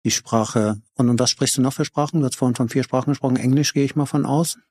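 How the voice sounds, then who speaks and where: A man's voice: medium pitch, fast, darkish tone, no echo, studio quality. A man hosting a podcast interview, asking questions and encouraging the guest with short murmurs of agreement. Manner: supportive listener with many short backchannels. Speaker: podcast host. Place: Cologne.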